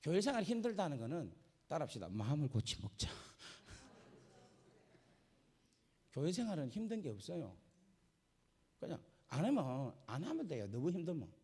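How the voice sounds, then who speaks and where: Male pastor, sermon, husky high voice, shifts between shouting and soft asides, long church reverb. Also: huge pitch swings, unhurried, pauses often. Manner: swings from fervent shouting to soft conversational asides. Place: church sanctuary.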